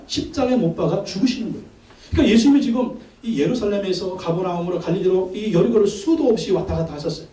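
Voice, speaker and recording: A man's voice: sits high, dark tone. A male pastor preaching a sermon in a church, emphatic, often calling out to the congregation and acting out quoted voices. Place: church sanctuary. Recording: echoey church from far off.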